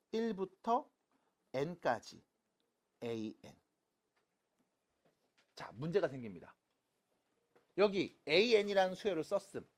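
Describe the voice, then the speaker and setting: A math teacher lecturing high school students in a playful way, asking questions and answering them, with silly sound effects while writing. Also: a little mellow. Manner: talks students through writing on a board.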